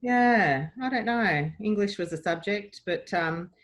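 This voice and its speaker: This Australian woman in her forties, a guest on a podcast, talks animatedly about her childhood in an upbeat, chatty interview. Her medium-pitched voice keeps a measured pace.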